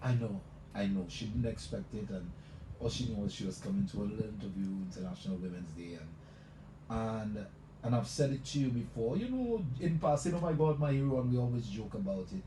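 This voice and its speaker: A man's voice: fairly low pitch, a little fast. A male radio host talking effusively on a live show, repeating "let me tell you" as he builds up his guest. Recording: echoey room, mic at a distance, noisy.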